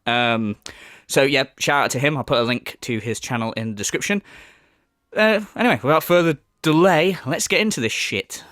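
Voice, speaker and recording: Recorded in clean studio sound without echo, a man hosting a commentary channel talks at normal speed in a mid-range, fairly bright voice. He's sarcastic and mocking, swearing often and filling gaps, and a cold has left his voice slightly off.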